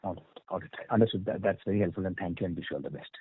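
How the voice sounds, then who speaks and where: A man's voice: low-pitched, very fast, slight background noise. A man with an Indian accent asking an analyst's questions on an earnings call, hesitant and polite. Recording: narrow-band phone line.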